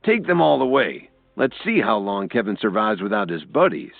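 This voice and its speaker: A man's voice: deep voice, very animated, moderate pace, no echo. A man voicing an arrogant, furious middle-aged man in an audiobook, growling and domineering. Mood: snarling. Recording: dry, tinny phone-like sound.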